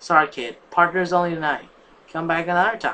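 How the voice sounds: A gruff, put-on character voice at a middle pitch. It moves along at a fairly quick pace.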